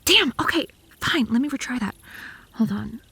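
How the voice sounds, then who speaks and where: A woman's voice: fairly high pitch, animated, moderate pace, gravelly, sharp tone, husky, no echo, full character voice. A woman playing a possessive, lovesick, bratty vampire in a comedic ASMR roleplay, haughty and theatrical, by turns flirty and threatening. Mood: flustered, irritated.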